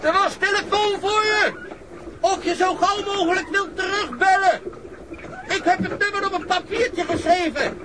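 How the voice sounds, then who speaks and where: An actor playing a male neighbour calling out a message in drawn-out shouts from a distance in a drama. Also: very high voice, a faint crowd, slight background noise.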